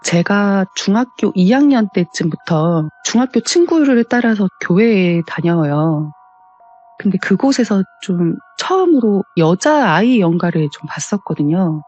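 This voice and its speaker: Mellow, husky woman telling a ghost story. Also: medium pitch, animated, a little slow, lo-fi sound. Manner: polite, explanatory narration. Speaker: caller telling a personal story. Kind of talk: conversational first-person telling of a ghost story. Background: background music.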